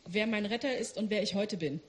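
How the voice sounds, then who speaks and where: A woman's voice: mid-range voice, fairly quick. A woman working as an interpreter, rendering a guest's testimony in church line by line. She speaks fluently, with the odd hesitant filler.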